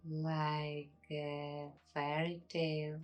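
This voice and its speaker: A woman guiding an ASMR meditation in a hushed, unhurried way, leaving long pauses between short phrases. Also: deep voice, monotone, soft background music. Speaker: ASMR host and meditation guide. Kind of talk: slow ASMR guided meditation.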